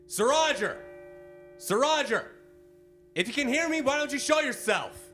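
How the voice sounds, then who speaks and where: An actor playing a confident, commanding gentleman detective in a radio mystery, formal and theatrical. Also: extremely high pitch, expressive, measured pace, faint music behind, exaggerated voice. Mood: bold, challenging. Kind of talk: old-time radio mystery acting.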